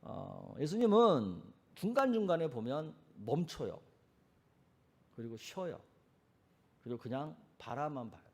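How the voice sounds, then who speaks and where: A male pastor preaching a sermon in a conversational, animated way, asking the congregation rhetorical questions. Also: on the high side, measured pace, pauses often, husky. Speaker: senior pastor.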